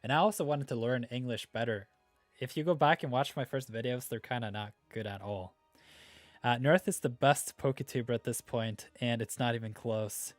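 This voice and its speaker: A man's voice: medium pitch, moderate pace, dry recording, faint music behind. A man from Norway with a Norwegian accent, hosting a gaming livestream in laid-back, rambling chat while reading viewer comments. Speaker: livestream host.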